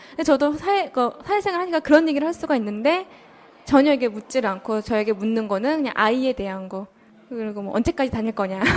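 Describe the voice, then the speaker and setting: This woman talks very fast in a high voice. Her pitch swings widely, and background noise is noticeable. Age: 20s. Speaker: working wife. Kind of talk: interview.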